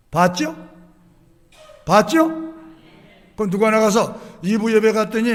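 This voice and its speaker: A male pastor preaching a sermon, moving from quiet conversational asides to shouted declarations and firing rhetorical questions at the congregation. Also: sits high. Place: church sanctuary. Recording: echoey church hall.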